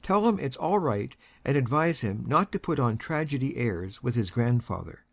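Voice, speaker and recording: A woman's voice: a bass voice, lively intonation, moderate pace, gravelly, dry recording, pitched below the performer's own voice, exaggerated voice. A woman voicing a stern, irascible old grandfather who talks sharply and blusters. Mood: blustering, gruff.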